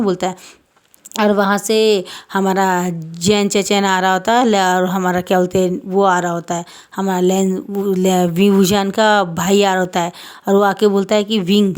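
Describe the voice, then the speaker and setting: A woman's voice: medium pitch, darkish tone. A woman casually narrating her own fan fiction, rambling and correcting herself mid-sentence.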